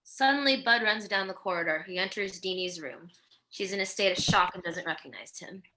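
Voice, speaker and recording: Bright-voiced woman reading stage directions. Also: mid-range voice, fairly quick, slight background noise, rough recording. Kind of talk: scripted narration at a virtual table read.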